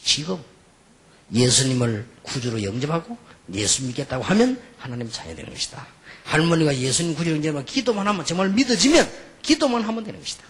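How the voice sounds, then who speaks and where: A middle-aged male preacher with a high, lively voice that rises and falls widely. There is a slight husky edge to his tone. He tells anecdotes, dropping into quiet asides and then pressing his point with emphatic bursts. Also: quick pace. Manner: animated storytelling, mixes quiet asides with emphatic outbursts. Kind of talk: sermon with anecdotes.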